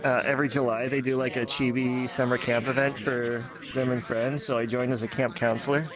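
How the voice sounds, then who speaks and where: A man's voice: mid-range voice, level tone, brisk, poor audio. A man in casual chat, talking in a chatty, slightly stumbling way. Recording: voice chat with crowd chatter behind.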